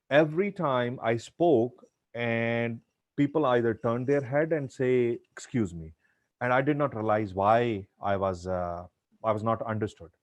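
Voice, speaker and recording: A man's voice: medium pitch, no echo, muffled recording. Earnest Indian man giving advice. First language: Punjabi. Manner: earnest, advisory, repeats himself. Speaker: guest speaker. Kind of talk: answering audience questions.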